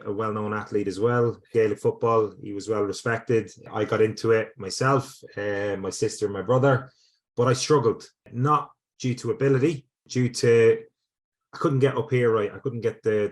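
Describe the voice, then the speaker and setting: A man with an Irish accent, a sports psychology lecturer answering interview questions in a casual, conversational way, often restarting and repeating words. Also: on the low side. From Ireland.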